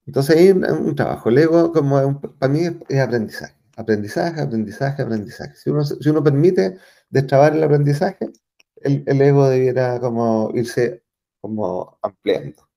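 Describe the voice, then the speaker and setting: A Chilean man answers interview questions in a reflective, searching way, circling back and restarting his sentences as he thinks. His voice is mellow and dark, with a gravelly rasp underneath. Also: mid-range voice, moderate pace. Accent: Chilean Spanish. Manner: thoughtful, searching for words, frequent restarts and fillers. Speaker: interview guest.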